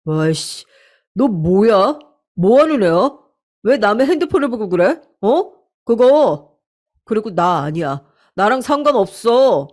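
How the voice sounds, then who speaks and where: A woman's voice: a little high, animated, normal speed, darkish tone, close to an everyday voice. Woman voicing a defensive young husband in a radio story; blustering, irritable. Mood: defensive angry. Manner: defensive, irritable, brushing off accusations.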